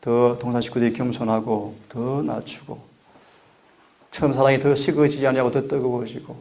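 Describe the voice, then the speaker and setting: A middle-aged man, a pastor, giving an earnest, measured sermon and asking the congregation for prayer. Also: medium pitch, a little mellow.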